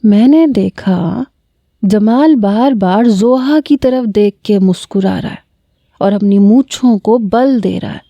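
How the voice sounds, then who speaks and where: A woman narrating a romantic story in a steady, measured reading. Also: medium pitch, dry recording, highs cut off.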